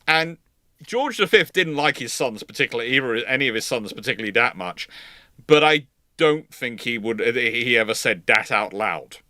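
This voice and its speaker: Bright-voiced man discussing history live. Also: medium pitch, animated, moderate pace, no room sound, clean studio sound. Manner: hesitant, self-correcting, emphatic repetition.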